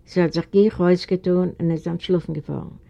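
A woman from Eastern Europe narrates a storybook in a low, gravelly voice. Her reading is steady and deliberate. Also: dull audio. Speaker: audiobook reader.

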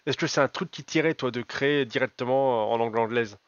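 A man's voice: medium pitch, quick pace, smooth, no room sound. A man hosting a podcast, asking his guest direct, conversational questions. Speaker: podcast host. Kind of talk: interview questions. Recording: dull, lo-fi dry sound.

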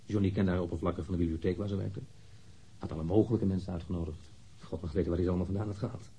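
A man's voice: low-pitched, steady tone, rapid-fire, mellow, breathy edge, exaggerated voice. An actor playing a guarded, reluctant engineer in his thirties being questioned in a radio drama, answering curtly and somewhat irritably. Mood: guarded, matter-of-fact. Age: 30s.

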